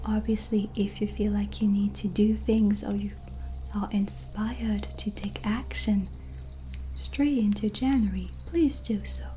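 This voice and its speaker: A woman playing a gentle, reassuring white witch tarot reader in a breathy, soft-spoken ASMR whisper. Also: mid-range voice, steady tone, slight background noise, lightly acted. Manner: slow, pausing, soothing, reflective. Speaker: ASMR roleplayer giving a tarot reading. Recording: soft music behind close voice. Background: soft relaxing music.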